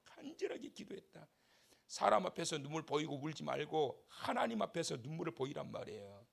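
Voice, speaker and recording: Male pastor at a revival service, lively animated pitch, shouts then drops to soft asides, leads the congregation in call-and-response. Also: fairly quick, vocal fry. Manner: impassioned, shifts between shouting and soft asides. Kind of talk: revival sermon. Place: church sanctuary.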